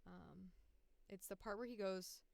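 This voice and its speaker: A woman's voice: mid-range voice, measured pace, vocal fry, no room sound. A woman chatting casually on a livestream as she works, thinking aloud in a rambling, sweary, self-deprecating way. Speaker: streamer and voice actor editing audio. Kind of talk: casual livestream chat with bursts of singing.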